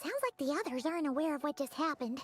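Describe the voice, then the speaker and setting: A woman voicing a small, childlike, excitable and bossy female companion in a video game, with a squeaky voice. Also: quick pace. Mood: exasperated. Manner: exclaiming, refers to herself by name. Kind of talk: video game character acting. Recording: game music behind.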